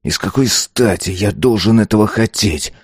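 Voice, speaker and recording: A man's voice: lowish voice, moderate pace, slightly rough, no room sound, clean studio sound, pitched above the performer's own voice. A man voicing a bitter, short-tempered young man who answers curtly and snarls when pushed. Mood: dismissive. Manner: curt, snarling. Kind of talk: audiobook character voice.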